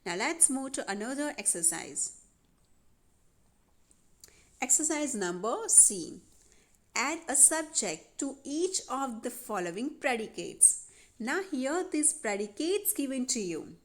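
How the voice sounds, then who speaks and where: A woman's voice: sits high, sing-song, a little slow. A woman teaching a grammar lesson over a worksheet, patiently repeating instructions to students. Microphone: voice-over on handwritten worksheet video.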